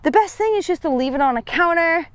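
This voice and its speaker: A woman's voice: extremely high pitch, lively intonation, quick pace, dry recording. A young woman giving a chatty, upbeat gardening tutorial outdoors on a farm. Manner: chatty, self-deprecating, upbeat. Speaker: seed company gardener.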